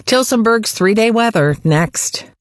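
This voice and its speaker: A woman reading a local radio newscast in a crisp, practiced way. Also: on the high side, measured pace, dry recording. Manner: crisp, lively newsreader delivery. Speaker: local radio news anchor. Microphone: studio microphone.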